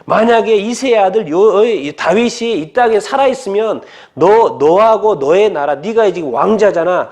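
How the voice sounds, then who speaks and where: A man's voice: high voice, lively intonation, normal speed, vocal fry. A man voicing a furious raging king. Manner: shouting and scolding.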